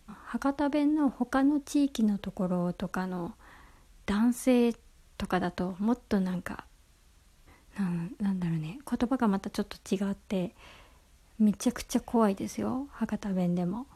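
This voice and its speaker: A woman with a Hakata accent hosting a calm bedtime talk show, speaking softly and slipping into whispers. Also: mid-range voice. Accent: Hakata dialect. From Hakata, Fukuoka. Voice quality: soft, often whispered. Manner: relaxed, unhurried. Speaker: podcast host.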